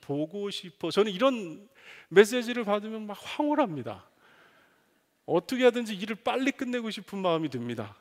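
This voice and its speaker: Brief: male preacher, high and expressive, animated sermon storytelling in an echoing sanctuary. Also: a little fast. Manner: animated storytelling, acting out voices. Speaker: pastor. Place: church sanctuary. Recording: long reverb of a church hall.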